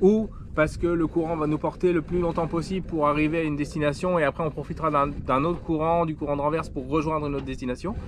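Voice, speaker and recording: A man talks at a very fast pace in a monotone, flat intonation. The sound is dry with no echo, over light background noise. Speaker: sailor vlogger. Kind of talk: casual vlog chat. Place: boat. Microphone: phone near.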